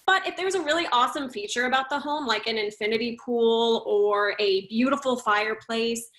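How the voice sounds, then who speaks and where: Upbeat woman giving clear tips. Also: a little high, normal speed, fairly bright tone. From Nashville, USA. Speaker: guest. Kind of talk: explaining tips in an interview.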